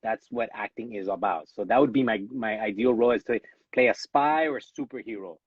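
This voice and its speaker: Over phone-quality, dry audio, a man with a low-ish, husky voice speaks fairly quickly from home. He is a Cuban-American actor with a Latino accent, born in Los Angeles and raised in Miami by Cuban parents. In a casual live interview he earnestly describes his acting career, often repeating words as he restarts his sentences.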